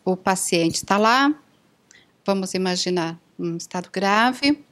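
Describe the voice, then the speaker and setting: Woman host chatting, personal and reflective, mid-pitched voice. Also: lively intonation, slow, fairly bright tone. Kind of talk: interview, casual chat.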